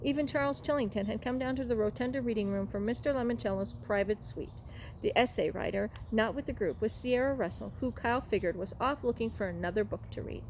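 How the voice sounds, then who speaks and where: A woman reads a children's storybook aloud for a library read-aloud session, occasionally stumbling over a word and going back to reread it. Her voice sits on the high side and is a little mellow, and she reads a little fast. The room she's recorded in is clearly noisy.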